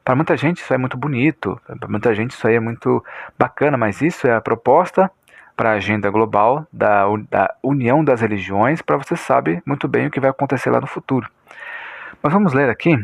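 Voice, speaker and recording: A man's voice: mid-range voice, vocal fry, no echo. A Brazilian man giving informal religious commentary in a didactic, repetitive way, often checking that listeners follow.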